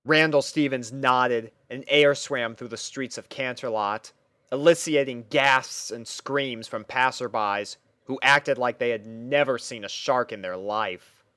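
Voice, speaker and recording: A man narrating a scripted story in a measured, mock-serious storytelling manner. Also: medium pitch, pushed and bright, clear, resonant tone, no room sound. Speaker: fan fiction narrator.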